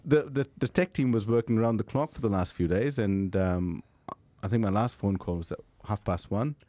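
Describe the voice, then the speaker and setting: A man from Liverpool chats frankly as a guest on a podcast panel, his voice sitting on the low side. He often restarts his sentences and laughs at himself. The sound is dry and close. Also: normal speed, mellow, dry recording. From England (Liverpool). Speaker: startup founder, panel guest. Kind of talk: casual podcast panel chat.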